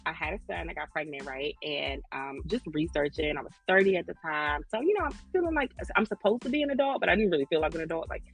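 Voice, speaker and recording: She talks quickly with few pauses, her low, expressive voice slightly rough and full of vocal fry, as soft music plays behind her. A podcast co-host and lactation consultant from Maryland in her thirties, she spins joking, slangy stories in an African American English accent.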